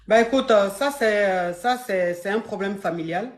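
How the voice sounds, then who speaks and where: A woman's voice: mid-range voice, moderate pace, reverberant. A woman coach giving advice on a call, firm and repetitive, addressing the caller affectionately. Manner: firm, repeats herself, calls caller "my dear". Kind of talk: phone-in advice.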